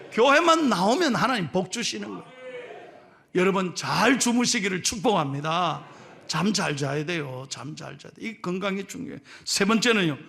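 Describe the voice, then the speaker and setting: A middle-aged male pastor with a Gyeongsang accent, preaching a sermon in a joking, lively way and teasing his congregation. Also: sits high, vocal fry. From Gyeongsang region of Korea. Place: church sanctuary.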